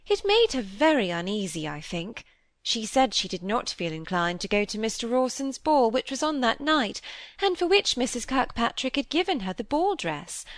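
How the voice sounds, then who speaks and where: A woman's voice: mid-range voice, no room sound, studio quality, close to an everyday voice. A woman reading aloud and voicing a vain, chattering middle-aged stepmother who gushes and fusses. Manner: gushing, fussy, quick to dismiss. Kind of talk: audiobook character voice.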